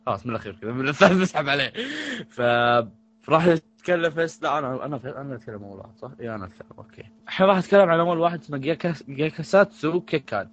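Man, rapid delivery, slightly high voice, rambling casual podcast chat. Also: expressive, a bit bright, highs cut off. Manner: rambling, with frequent restarts. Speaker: podcast co-host.

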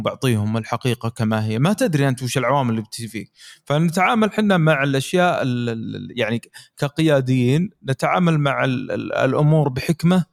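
A man's voice: fairly high pitch, creaky. A man talking on a podcast in a hesitant way, full of fillers and restarts. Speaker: podcast co-host. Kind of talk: casual podcast discussion.

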